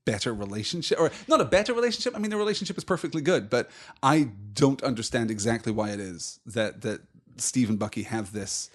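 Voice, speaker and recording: A man's voice: mid-range voice, lively intonation, a little fast. A man co-hosting a casual discussion podcast, speaking in a thoughtful, analytical and articulate way. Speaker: podcast co-host. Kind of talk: casual film and comics discussion.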